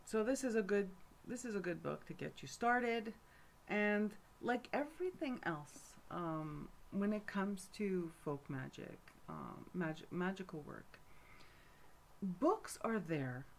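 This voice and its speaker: A woman's voice: medium pitch, lively intonation, takes it slowly, vocal fry, a little hiss or hum. A middle-aged woman from Montreal giving a casual talk to camera as a folk magic teacher, rambling with many fillers and asides. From Montreal, Canada.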